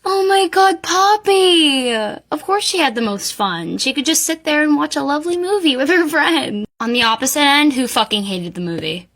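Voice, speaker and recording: A woman's voice: high-pitched, lively intonation, normal speed, hardly any pauses, a bit bright. A woman giving casual reaction commentary in an informal, exclamatory way with plenty of swearing.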